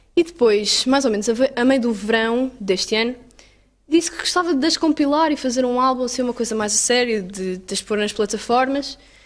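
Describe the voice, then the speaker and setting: A woman's high voice, with ordinary pitch variation, comes through noticeable background noise. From Portugal, Almada (south bank of Lisbon). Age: young (18). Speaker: singer-songwriter and music student. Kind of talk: interview. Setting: studio with audience.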